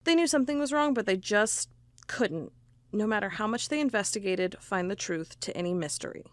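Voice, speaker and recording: A woman's voice: mid-range voice, expressive, fairly quick, no echo, clean studio sound, natural voice. A woman playing a wry, curious investigator who records a log and reads old case files in an audio drama. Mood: wry, intrigued.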